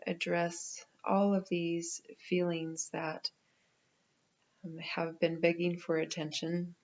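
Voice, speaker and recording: A woman leading a guided meditation in a gentle, unhurried manner with pauses. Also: on the low side, dull audio.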